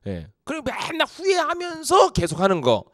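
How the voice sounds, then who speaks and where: Lively pastor preaching to youth. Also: male voice, very high voice, normal speed, no echo, studio quality. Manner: lively, acts out quoted voices. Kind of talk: youth sermon.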